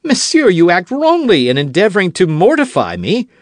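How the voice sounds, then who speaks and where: A man's voice: sits high, sing-song, normal speed, no echo, studio quality, voice pushed up. A man doing D'Artagnan, a fiery young Gascon. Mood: indignant, fiery. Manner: eager, challenging, raised voice. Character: young hot-tempered Gascon swordsman, proud and quick to quarrel. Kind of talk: audiobook character voice.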